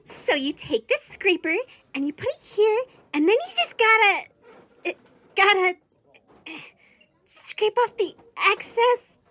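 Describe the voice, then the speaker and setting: Shrill, very high-pitched spiteful stepsister. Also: female voice, lively intonation, a little slow, fairly bright tone, full character voice. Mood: flirty. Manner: sugary, whiny, taunting.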